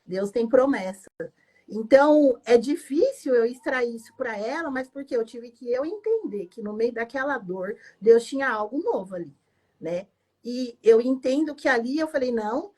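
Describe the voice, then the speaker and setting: A woman's voice: fairly high pitch, expressive, moderate pace, darkish tone, slightly rough. A woman pastor tells her personal testimony in an emotional, emphatic way, often adding "né?". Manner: emotional, emphatic storytelling with frequent "né?".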